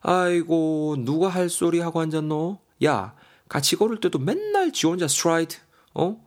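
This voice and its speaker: Man doing a bickering wife, scolding, lively ups and downs. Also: a little high, slow, pitched above the performer's own voice. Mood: nagging. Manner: scolding, nagging. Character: bickering young wife, sharp-tongued.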